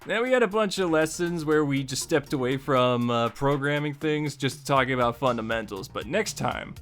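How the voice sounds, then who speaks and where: A man teaches in an informal, chatty tutorial style, with a middling pitch. He leans on repeated phrases to drive points home and talks to the listener directly, as a host would. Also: a bit bright. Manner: informal, repeats phrases for emphasis, acts out example remarks. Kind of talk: casual, conversational writing lesson.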